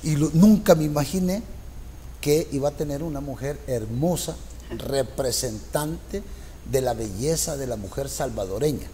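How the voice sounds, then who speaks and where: An older man co-hosting a political TV interview, speaking in an effusive, flattering and emphatic way. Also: medium pitch, normal speed, big-room sound, a little hiss or hum. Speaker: TV interview co-host. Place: TV studio.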